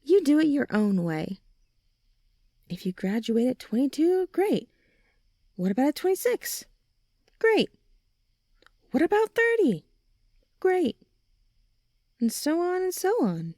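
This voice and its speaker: A young woman playing a supportive, gently reassuring friend in an ASMR comfort roleplay, speaking softly and soothingly. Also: sits high, big pitch swings, slow pace, pauses often, dry recording, studio quality, exaggerated voice. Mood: playfully emphatic. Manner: soft, soothing, encouraging, breathy sighs and chuckles.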